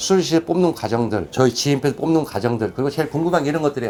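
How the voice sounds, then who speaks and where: Very fast speech from a man, fairly high in pitch, with ordinary pitch variation. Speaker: orthopedic surgeon. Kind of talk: medical explainer talk to camera.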